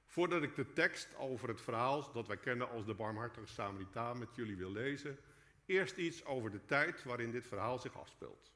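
A man's voice: medium pitch, bright, forceful tone. A man giving a reflective sermon in a church, speaking straight to the congregation, his voice carried by a cathedral-like echo. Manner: reflective, addresses the congregation directly. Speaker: lay preacher. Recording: long echoing church reverb.

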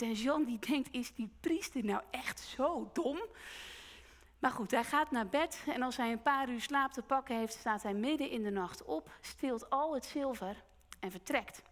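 High-voiced woman preaching in a reverberant hall. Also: a bit bright. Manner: slow, earnest retelling with quoted voices. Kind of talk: sermon with storytelling. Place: church hall. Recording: long church hall reverb.

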